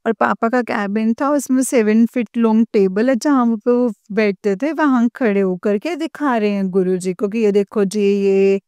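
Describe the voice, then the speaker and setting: A woman telling her dream to a spiritual congregation, mixing English words into Hindi, with slow pauses and hesitations. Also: on the high side, a little mellow, smooth, dry recording. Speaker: devotee sharing a dream experience. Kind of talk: personal testimony to a spiritual congregation.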